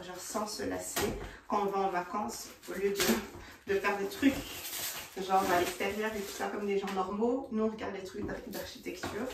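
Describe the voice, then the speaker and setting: A young woman chatting casually to her viewers in a vlog, excitable, slipping in English slang. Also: medium pitch, roomy sound, recorded from a distance, background noise. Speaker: vlogger.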